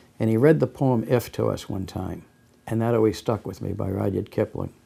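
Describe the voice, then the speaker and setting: In a very clean recording with a silent background, a man with an American accent and a fairly low pitch speaks at a fairly quick pace with ordinary pitch variation, a dark, mellow tone and vocal fry. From Massachusetts, US. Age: 60s. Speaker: businessman. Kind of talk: interview. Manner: halting.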